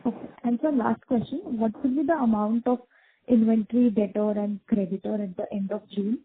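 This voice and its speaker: Phone-band sound, Indian woman, slightly high voice, analyst questioning. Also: fairly even intonation, brisk, slightly rough. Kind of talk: earnings call questioning. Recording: narrowband phone line.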